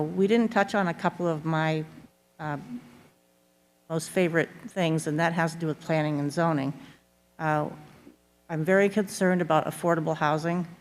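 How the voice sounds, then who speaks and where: A middle-aged woman with a notably low voice speaks as a local candidate. Her delivery is earnest and halting, and long hall reverb surrounds her words. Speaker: candidate for town board. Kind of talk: forum closing statement.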